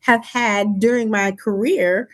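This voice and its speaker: A middle-aged woman, a guest and school counselor, speaking reflectively and in a measured way in a podcast interview. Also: mid-range voice, steady tone, a bit bright. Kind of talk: conversational interview.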